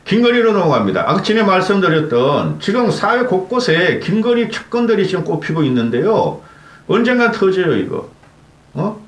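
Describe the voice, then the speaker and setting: A man rants through heated political commentary, scolding his targets and tossing in sharp rhetorical "eh?" tags between lines. His fairly high voice swings widely up and down. The sound bounces around a roomy space. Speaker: political commentary channel host. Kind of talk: angry political commentary rant.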